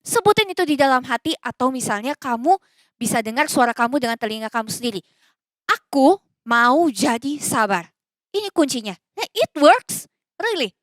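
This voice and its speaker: A woman giving a children's sermon, animated and coaxing with questions, mixing in English phrases. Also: high-pitched, brisk, no echo. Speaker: children's church teacher. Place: church recording.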